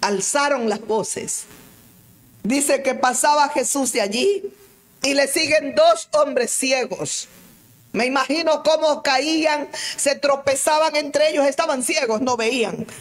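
Woman, evangelist, sermon, fervent and emotional, high voice, slow delivery. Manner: fervent, emotional preaching with tearful swells. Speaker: evangelist preacher.

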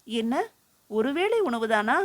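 A woman voicing an elderly male sage who questions gently but turns firm when he commands. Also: on the high side, sing-song, slow pace. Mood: probing.

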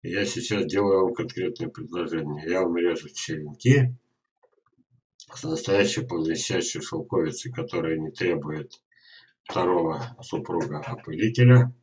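An older man giving an informal instructional webinar talk, speaking haltingly with drawn-out words and pauses. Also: low voice, a little mellow, poor audio. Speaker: gardener presenting an online lesson. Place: indoors in a small dim room at a computer.

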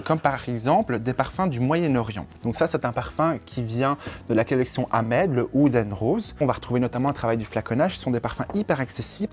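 A man's voice: mid-range voice, a little mellow. A young man from Belgium with a Belgian French accent, explaining perfumes earnestly as a guest in a small room. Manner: earnest, explains with set phrases. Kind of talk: explanatory chat.

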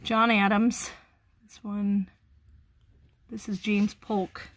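Middle-aged woman, host of an unboxing vlog. Chatty, narrates items as she goes. Tabletop camera in a workroom, with clear background noise. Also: medium pitch, level tone, very slow. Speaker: host of a resale channel. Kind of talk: casual unboxing chat. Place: indoor workroom with tables and boxes.

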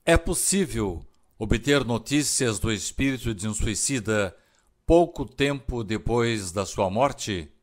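A man with a Brazilian Portuguese accent reads out prepared interview questions in a formal, deliberate manner. His voice sits at a plain middle pitch for a man. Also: lively intonation.

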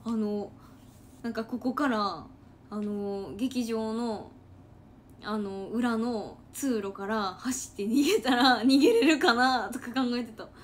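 Woman, Kansai accent, somewhat high voice; drowsy, chatty late-night stream host, rambling and giggly, close mic. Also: takes it slowly, a little hiss or hum. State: sleepy. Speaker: idol trainee livestreaming. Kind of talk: casual late-night livestream chat reading comments.

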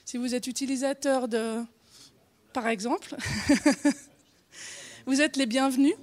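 A woman's voice: sits high, steady tone, takes it slowly. A woman in her forties with a Genevan Swiss French accent, giving an informal conference talk with many fillers, restarts and small laughs. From Switzerland. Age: 40s. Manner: hesitant, frequent fillers and restarts, laughs often. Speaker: conference speaker.

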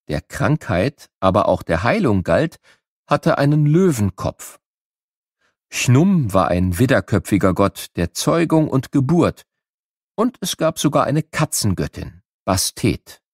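A man narrating a scripted educational audiobook for children with measured, clearly phrased storytelling. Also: lowish voice, no echo, clean studio sound.

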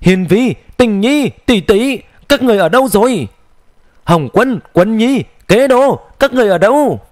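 A man's voice: high-pitched, expressive, normal speed, no room sound, studio quality. Man voicing a grieving immortal calling out in anguish. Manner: shouting in anguish, trembling voice. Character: grieving immortal man searching a dead void.

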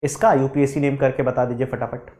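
A man teaching chemistry in a live online lecture, animated, quizzing his students and mixing in English terms. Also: medium pitch, brisk, reverberant. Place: studio classroom.

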